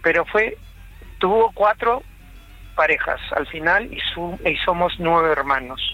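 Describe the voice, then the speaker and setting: A man from Chile calling in to a late-night radio show, telling a family story in a halting, reflective way. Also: fairly high pitch, animated, dry recording, dull audio, faint music behind. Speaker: caller.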